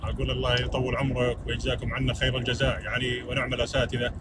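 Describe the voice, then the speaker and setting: A young man hosting a livestream from a car at night, talking fast and politely on a phone call. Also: medium pitch, flat delivery, distant mic, very noisy. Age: young adult. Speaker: livestream host. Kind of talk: casual livestream chat. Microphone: phone camera at arm's length.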